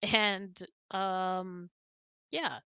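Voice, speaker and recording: A woman with a bright voice chats casually on a close, dry mic. She tells stories expressively and giggles easily between phrases. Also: mid-range voice, drawn-out words, clean tone, no room sound, muffled recording. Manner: giggly, expressive, animated storyteller. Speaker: host of an audio hangout. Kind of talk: casual storytelling chat.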